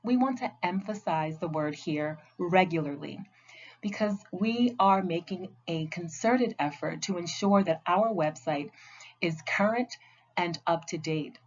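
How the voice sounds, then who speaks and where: A woman giving a scripted training narration as a compliance trainer, speaking in a clear, measured, instructional way. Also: lowish voice, a little mellow. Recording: dull lo-fi audio.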